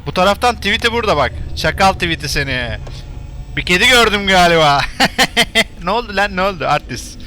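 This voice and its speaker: Guy playing a scary game and chatting away, bright kinda high voice, little bit of hiss. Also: animated, a little fast. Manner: chatty, jokey, shouts and curses when startled. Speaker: gamer playing a horror game. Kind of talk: let's play commentary.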